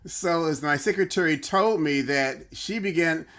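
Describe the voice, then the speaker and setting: A man's voice: a little high, unhurried, fairly bright tone. A man co-hosting a livestream talk show, talking casually, restarting and repeating words as he thinks aloud and tells anecdotes.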